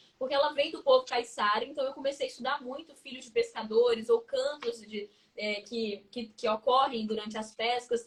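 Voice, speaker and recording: A woman with a high voice shows ordinary pitch variation. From Minas Gerais, Brazil. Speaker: actress. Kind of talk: interview. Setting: live stream.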